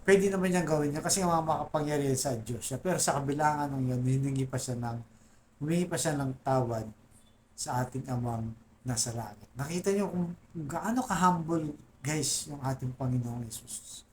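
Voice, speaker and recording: A man's voice: on the high side, normal speed, a little hiss or hum. A man giving a casual Catholic reflection talk, often asking his listeners "right?" and calling them guys, rising in voice as he lists sufferings. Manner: keeps asking "di ba?" and addressing "guys". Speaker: Catholic faith vlogger.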